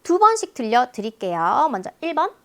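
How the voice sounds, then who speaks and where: Lively, high-voiced woman teacher. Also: a little fast. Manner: explains word pairs in a lively, talkative way. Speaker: English teacher. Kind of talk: lecture on English listening.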